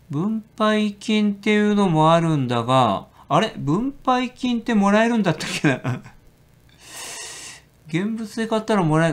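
A middle-aged man hosting a stock trading show, chatting casually, reading a listener's letter aloud, laughing often and stopping to look things up. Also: high-pitched. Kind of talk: casual solo talk answering a listener letter.

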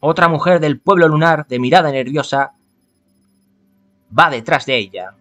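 A man's voice: a little high, normal speed, a bit bright, faint music behind. A man from reads a visual novel aloud, adding casual, wry commentary as he goes. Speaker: gaming streamer.

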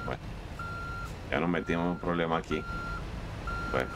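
A man's voice: sits low, fairly even intonation, moderate pace, background noise. A man, chatting casually while playing a truck game, often stumbling and repeating words. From Colombia. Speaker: gaming video host.

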